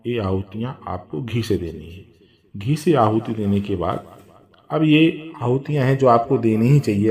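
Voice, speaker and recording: A man patiently explaining a home fire ritual step by step, with drawn-out chanted mantras. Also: lowish voice, vocal fry, darkish tone. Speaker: religious instructor.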